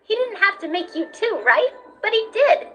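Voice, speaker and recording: A woman voicing a kind, hopeful, childlike skeleton brother in a cartoon comic dub, speaking in an earnest, pleading and animated way. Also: extremely high pitch, moderate pace, soft background music, full character voice.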